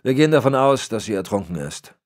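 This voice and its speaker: A man's voice: lowish voice, very animated, fast talker, voice pushed up. A man voicing a dutiful male officer reporting to his boss in a deferential way. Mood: tense.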